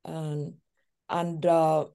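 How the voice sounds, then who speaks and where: A middle-aged woman from Cameroon, a relationship coach, telling her story as an interview guest in a thoughtful way with many pauses. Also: deep voice, flat delivery, mellow, clean tone. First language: a language of Cameroon. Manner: slow, thoughtful storytelling with frequent pauses and fillers.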